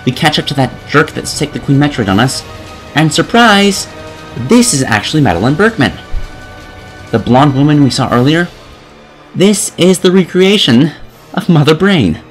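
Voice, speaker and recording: A man's voice: a little high, big pitch swings, normal speed. A man reading scripted video game review commentary in a sarcastic, exasperated manner. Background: music.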